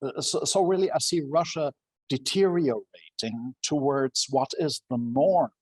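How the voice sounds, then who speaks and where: A man with a husky voice giving assertive, analytical commentary on an academic panel. The sound is dry and close. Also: on the high side, lively intonation, normal speed, a little mellow, no room sound.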